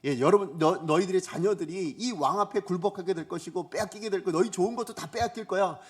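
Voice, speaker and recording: A man's voice: sits high, fast talker, husky. A man preaching a Sunday sermon as pastor, asking the congregation questions and acting out quoted voices. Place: church sanctuary.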